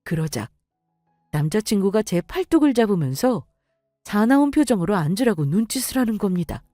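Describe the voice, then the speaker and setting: A woman's voice: medium pitch, sing-song, brisk, mellow, no echo, clean studio sound, faint music behind. A young woman narrating her own story in an indignant, confiding way. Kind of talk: scripted first-person story narration.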